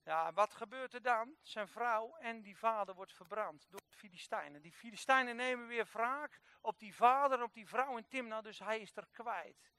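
High-voiced man preaching animatedly. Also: normal speed, hardly any pauses, no room sound. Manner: lively storytelling, acting out characters, swings from quiet to loud. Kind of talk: sermon retelling a Bible story.

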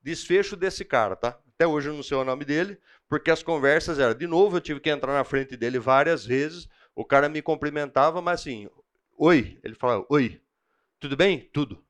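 A man's voice: on the high side, a little fast, hardly any pauses, clean tone. Chatty Brazilian man telling a church-class story. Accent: Brazilian Portuguese. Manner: animated storyteller, slangy and chatty. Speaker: Bible class teacher. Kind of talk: church class teaching with personal stories.

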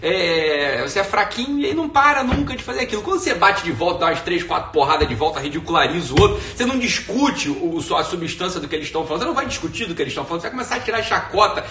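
A quick, bright-voiced man with a Brazilian Portuguese accent rambles casually through a live stream from home. He speaks a little above the usual male pitch and sits back from the mic in an echoey room. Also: sing-song, far from the mic, slight background noise. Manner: rambling, slangy, tags sentences with "né".

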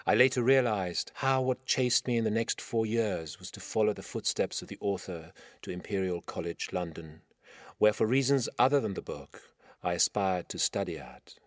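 A middle-aged man with an Iranian accent reading his own literary story in measured, dramatic phrasing. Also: fairly low pitch, no echo, studio quality. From Iran. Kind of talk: scripted literary narration.

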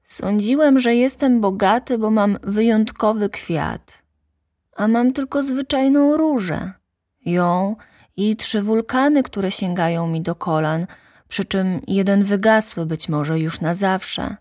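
A woman voicing the Little Prince, a gentle and lonely young boy, in an earnest, wondering storybook reading. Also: medium pitch, slow, no room sound, studio quality, voice pushed up, close to an everyday voice.

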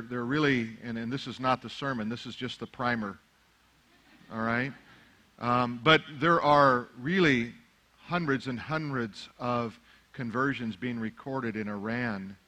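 A middle-aged pastor whose first language is Arabic preaches a sermon in a sharp, medium-pitched voice. He begins with easy, conversational remarks and builds into fervent, rising exhortation.

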